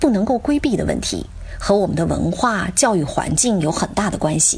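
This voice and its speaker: Noticeable background noise sits behind a woman at medium pitch. She talks at a fairly quick pace with very wide pitch swings. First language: Chinese. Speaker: podcast host. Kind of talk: scripted narration.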